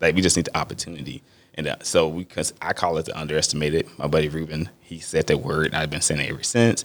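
Talking very fast in an American accent, a man uses a very deep, low pitch and fairly even intonation. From Mississippi, US South. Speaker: military veteran and entrepreneur. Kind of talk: interview chat.

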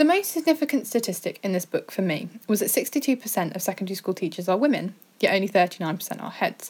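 A woman's voice swings very widely in pitch. She talks at a fairly quick pace with a somewhat breathy sound. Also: medium pitch for a woman, hardly any pauses. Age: 20s. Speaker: history graduate and trainee teacher. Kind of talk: recorded reflection.

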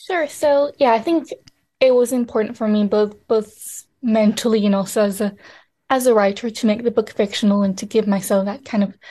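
A woman's fairly high, somewhat breathy voice with a dark, mellow tone and fairly even intonation, at a moderate pace against a quiet background. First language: French. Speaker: author. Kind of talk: interview. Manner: hesitant, repeats words.

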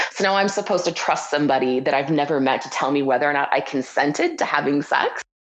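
In an American accent, a woman speaks at a very fast pace with a bubbly tone and a very deep, low pitch. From US Midwest, Chicago. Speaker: activist and sex worker. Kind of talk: casual interview.

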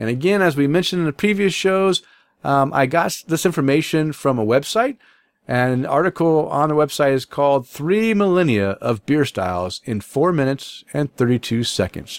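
A man with a normal speaking voice, a fairly high pitch and lively intonation at a moderate pace, in a very clean recording with a silent background and a dry, close sound with no echo. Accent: American. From Boise, Idaho. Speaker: podcast host. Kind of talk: casual chat.

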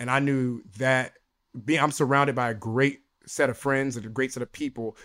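A man of medium pitch talks in a normal speaking voice with fairly even intonation. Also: moderate pace. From Houston, Texas. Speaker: comedy writer and researcher. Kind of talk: casual chat.

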